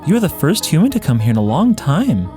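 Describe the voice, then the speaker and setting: A man voicing a gentle, motherly female monster caretaker from a game, doting and formal in manner. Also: a little high, sing-song, fast talker, soft background music. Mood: kindly. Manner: formal, careful, reassuring phrasing. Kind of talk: game dialogue read-along.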